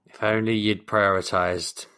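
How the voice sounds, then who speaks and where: Bright, teasing co-host. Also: male voice, on the low side, flat delivery, measured pace, smooth. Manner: teasing, laughs often. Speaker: podcast co-host. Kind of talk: casual podcast chat.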